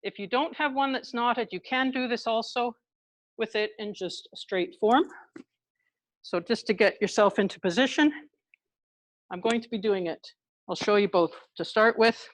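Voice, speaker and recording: A woman leading an exercise class through a face mask, talking calmly step by step as she demonstrates each move. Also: a little high, dry recording. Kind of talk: live exercise instruction, demonstrating while explaining. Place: indoors in a hospital building.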